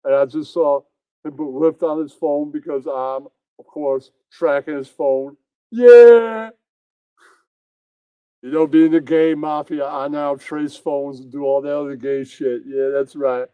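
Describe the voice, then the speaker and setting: A man's voice: fairly high pitch, dark tone, clean tone, no room sound, dull audio, natural voice. A man voicing a bossy, smug mafia boss puppet, rambling through improvised comedy with self-satisfied catchphrases.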